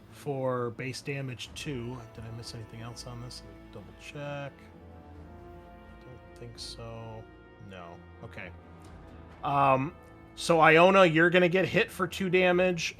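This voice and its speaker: A man's voice: mid-range voice, a bit bright. Man running a tabletop game, music behind. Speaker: game master. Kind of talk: running a tabletop game, casual rules talk. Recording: background music under the voice.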